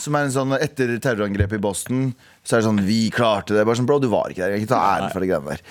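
A young man hosting a radio show, telling a story in casual chat and acting out the people in it with big leaps in his voice. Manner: animated storyteller, acts out people with big pitch jumps. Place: radio studio.

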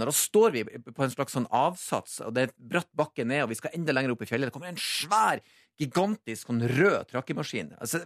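A man's voice: on the high side, fairly bright tone, dry recording, clean studio sound. A man hosting morning radio, telling a story with lots of life and acting out sounds and his own thoughts. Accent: Norwegian. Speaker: radio show host.

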